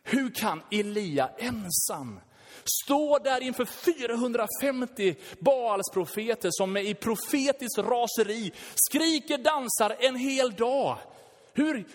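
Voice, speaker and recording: A man preaching a sermon, lively and casual, acting out prayers and switching between loud and hushed. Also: extremely high pitch. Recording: long hall reverb.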